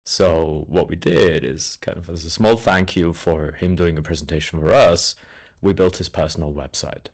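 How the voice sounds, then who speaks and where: A man raised in Switzerland, a guest in an interview, telling his story in a relaxed and friendly way. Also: low-pitched, normal speed. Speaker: interview guest, speaker agent. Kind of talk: conversational interview.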